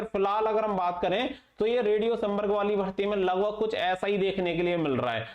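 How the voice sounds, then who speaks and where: A man giving an informal explainer as a channel host, addressing viewers directly and mixing in English terms. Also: high voice. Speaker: exam-update channel host. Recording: echoey room, slightly muffled sound.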